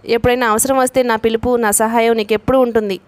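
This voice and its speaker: A woman voicing a calm, concerned male friend while reading a novel aloud, in a measured advising tone. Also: a little high, no echo, natural voice.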